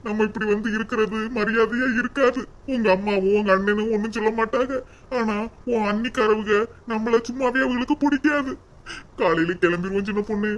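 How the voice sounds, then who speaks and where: A man's voice: high-pitched, fairly quick, close to an everyday voice. A man voicing an ashamed, humble young husband in a cartoon, with an apologetic, hesitant way of speaking. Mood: worried.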